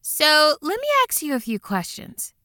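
An actress playing an upbeat housing caseworker who reassures a caller on the phone. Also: female voice, high voice, very animated, a little slow, pushed and bright, no room sound, studio quality, exaggerated voice. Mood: businesslike. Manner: cheerful, reassuring, businesslike.

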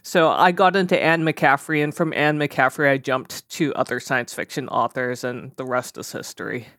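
A woman's voice: very deep voice, moderate pace, fairly bright tone, no room sound, studio quality. A woman author whose first language is Korean, chatting casually as an interview guest, self-deprecating and full of fillers. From South Korea.

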